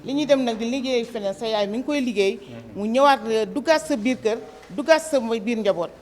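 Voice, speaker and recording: A woman's voice: a little high, brisk. A woman who took part in a training, explaining at length in an interview. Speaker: training participant. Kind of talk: interview answers.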